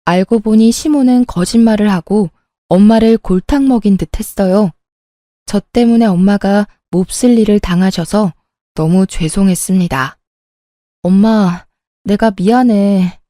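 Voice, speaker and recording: A woman narrating a true-life family story as the daughter, in a steady, earnest way. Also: mid-range voice, normal speed, no echo, studio quality.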